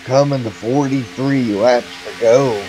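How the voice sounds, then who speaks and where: A man doing live play-by-play commentary of a sim race, his voice going hoarse as he calls positions steadily. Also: medium pitch, measured pace, low-quality recording. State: losing his voice. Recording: music playing behind voice.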